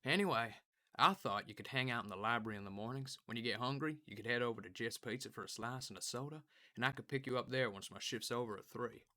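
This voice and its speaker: A man playing a caring, easygoing working-class dad in an audio drama, talking casually with gentle humour. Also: medium pitch, quick pace, lightly acted.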